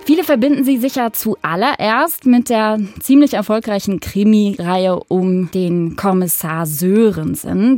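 Measured woman radio host. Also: medium pitch, darkish tone, no echo. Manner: measured, clear, articulate. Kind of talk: radio interview, scripted introduction.

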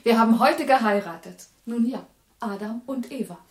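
An actress playing a level-headed young newlywed woman in a radio play, calm and soothing. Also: on the high side, moderate pace, lightly acted. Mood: friendly. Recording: roomy radio play recording.

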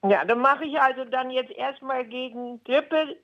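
A woman in her eighties calling a phone-in, asking questions hesitantly with a creaky voice over a telephone line. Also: high voice, measured pace. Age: 80s. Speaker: phone-in caller.

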